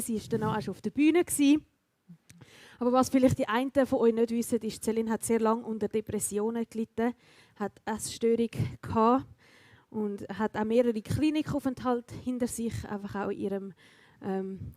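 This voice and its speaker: Bright-voiced Swiss woman interviewer. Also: on the high side, no echo. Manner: friendly, encouraging, lively questioning. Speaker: interviewer in a church talk service. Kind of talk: church stage interview. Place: church stage.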